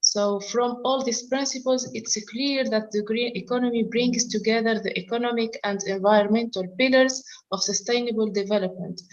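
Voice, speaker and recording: Over noticeable background noise, a woman with a fairly high pitch talks at a moderate pace with hardly any pauses. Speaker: environmental expert and consultant. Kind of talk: panel presentation. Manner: halting, with frequent fillers.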